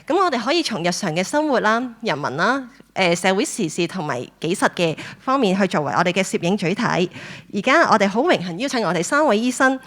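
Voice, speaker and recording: A woman speaking Hong Kong Cantonese, hosting and introducing speakers at a gallery talk in an even, formal way. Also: medium pitch, fairly quick, hardly any pauses. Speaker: host. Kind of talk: event introduction. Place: gallery room.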